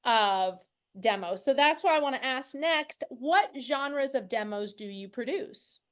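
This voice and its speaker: High-pitched woman hosting an interview. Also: expressive, measured pace. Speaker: podcast host interviewing guests. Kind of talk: conversational interview.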